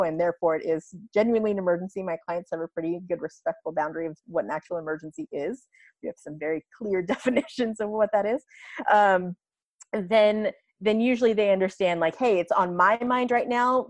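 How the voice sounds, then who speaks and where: Woman, 30s, lower pitch, dry close recording; casual, animated podcast guest. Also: no echo. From United States. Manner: chatty, laughs often, animated. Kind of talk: casual interview chat.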